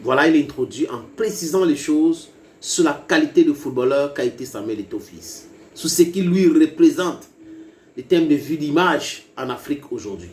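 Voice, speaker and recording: Emphatic commentator, echoey room. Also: male voice, fairly high pitch, animated, moderate pace, darkish tone. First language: English. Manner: emphatic, rising to heated bursts, addresses viewers directly. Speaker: online political commentator. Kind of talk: video commentary to viewers. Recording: roomy echo with faint ambience.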